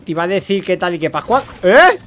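Young guy streaming a game, high voice, talks at the bugs, faint music behind. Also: racing. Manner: excitable, talks to himself and the creatures. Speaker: gaming streamer. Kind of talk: live gameplay commentary.

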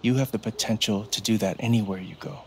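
An actor playing a calm, encouraging older brother in a video game drama, speaking gently and reassuringly. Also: male voice, on the low side, slight background noise, lightly acted. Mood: warm, encouraging. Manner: slow, tender, reassuring.

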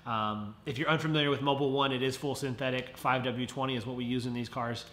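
A man's voice: mid-range voice, steady tone, fast talker, fairly bright tone, slight background noise. A man in his thirties with a nasal, congested voice from a head cold, chatting casually to viewers in a friendly car how-to vlog. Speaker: car vlogger. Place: home garage, indoors. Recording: roomy garage echo.

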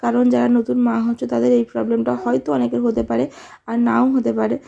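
A woman's voice: a little high, monotone, fast talker, creaky, dark tone, highs cut off. A young mother, chatting casually in a vlog about her day while she holds her baby outdoors. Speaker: vlogger and new mother. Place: outdoors near a large field.

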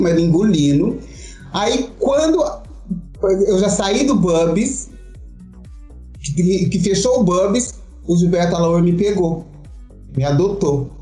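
A middle-aged show performer with a Brazilian Portuguese accent tells her story as an interview guest in an echoey room. Her voice sits on the low side, and she's animated and theatrical, acting out quotes and repeatedly asking "you understand?" to check the listener follows.

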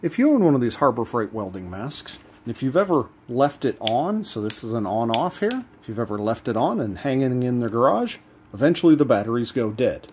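A man hosting a do-it-yourself channel, explaining a repair step by step in a relaxed, casual way as he works at a bench. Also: mid-range voice, a little fast. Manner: relaxed step-by-step explaining while working hands-on. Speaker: DIY channel host. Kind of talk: casual how-to demonstration.

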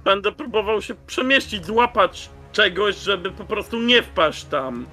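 A man playing a tabletop role-playing game over an online call, talking casually and haltingly as he works out his moves. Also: high-pitched, expressive, bright, forceful tone. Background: faint background music.

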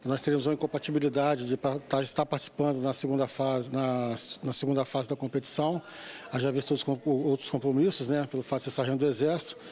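A man sports coordinator speaking haltingly, with restarts, in a TV news interview. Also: medium pitch, flat delivery.

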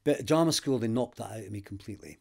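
A middle-aged actor from Aberdeen with a light Aberdeen Scottish accent, telling stories in a relaxed interview at home. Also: male voice, on the low side, rapid-fire, creaky, slightly rough. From Aberdeen, Scotland. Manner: lively, animated storyteller with gestures and laughs. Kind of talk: casual interview answers. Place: home room with bookshelves, indoors.

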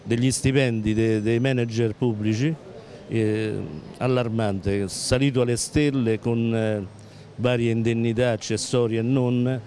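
Halting middle-pitched man interviewed outside. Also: mellow, a little hiss or hum. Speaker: interviewed passer-by, IT worker. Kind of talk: street interview answer. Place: outdoors under a city colonnade. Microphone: handheld interview microphone.

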